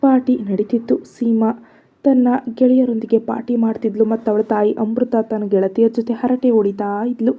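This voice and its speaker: A woman narrating an audio story in a measured way, with a husky voice and a flat, even delivery. The recording sounds slightly dull and lo-fi. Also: on the high side.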